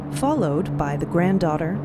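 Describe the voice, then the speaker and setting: A woman performing as a measured storyteller in a scripted audio drama. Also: fairly low pitch, lively intonation, very noisy, natural voice. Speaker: narrator and character player.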